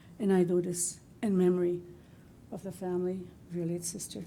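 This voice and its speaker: With a Great Lakes accent, a woman speaks at a moderate pace in a somewhat breathy voice of medium pitch. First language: Ojibwe. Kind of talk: blessing prayer. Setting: public ceremony at a museum.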